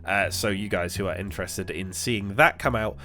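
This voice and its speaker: A man's voice: low voice, normal speed, pushed and bright, faint music behind. A man hosting his gaming channel, sounding congested as he recovers from illness, talking casually with lots of fillers and restarts. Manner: rambling, many fillers and restarts. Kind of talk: casual gameplay commentary.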